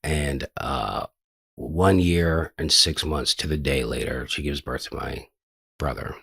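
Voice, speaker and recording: This is an older man from the United States who chats in a meandering, unpolished way, full of "uh" and "you know". His voice sits extremely low with a gravelly, breathy rasp. The sound is dry and close, with no room around it. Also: takes it slowly, fairly bright tone, no room sound. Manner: rambling, loose, peppered with fillers and swearing. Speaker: podcast guest. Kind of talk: casual interview storytelling.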